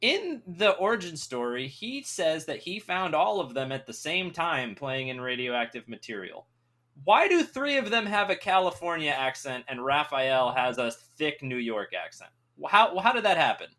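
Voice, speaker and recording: A man's voice: fairly high pitch, normal speed. A man co-hosting a podcast, chatting casually and ranting with mocking asides. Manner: animated, mocking, puts on voices in quotes. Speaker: podcast co-host. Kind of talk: casual chat.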